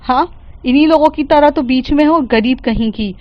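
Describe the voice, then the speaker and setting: Woman voicing an arrogant rich girl, contemptuous and high-voiced. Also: moderate pace, no echo, highs cut off, close to an everyday voice. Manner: dismissive, condescending. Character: arrogant rich young woman, spoiled and haughty.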